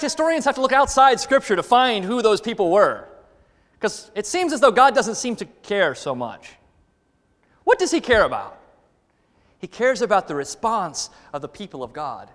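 A man's voice: high-pitched, fairly bright tone, long reverb tail. A man preaching a conversational sermon as a guest in a church, asking the congregation questions.

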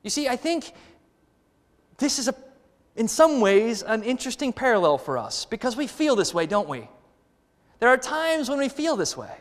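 A man's voice: very high-pitched, in a large hall. A man preaching a conversational sermon as a guest in a church, asking the congregation questions.

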